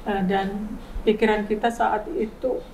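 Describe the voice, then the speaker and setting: A woman's voice: mid-range voice, little pitch movement, measured pace, a little mellow, a little hiss or hum, rough recording. A woman in her fifties, a grieving mother, giving an earnest faith testimony in an interview and repeating key phrases for emphasis. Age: 50s. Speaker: bereaved mother, guest.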